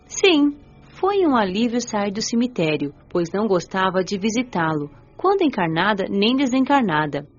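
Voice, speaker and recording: A woman playing a gentle, devout young spirit who recounts the afterlife in measured, reflective radio drama narration. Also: medium pitch, very animated, lo-fi sound. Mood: reflective, serene. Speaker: narrator and lead of an audio drama. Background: music.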